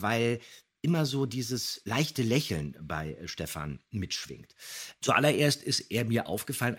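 A man's voice: mid-range voice, a bit bright, husky. A mature man chatting on a podcast, explaining details with enthusiasm. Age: middle-aged or older. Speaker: podcast co-host, radio play voice actor. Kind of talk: casual podcast talk, explaining.

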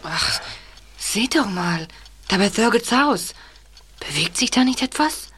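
An actor playing a watchful, excited teenage boy detective in a radio play. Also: high-pitched, unhurried, slightly rough, full character voice. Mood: startled, hushed. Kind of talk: German radio play acting.

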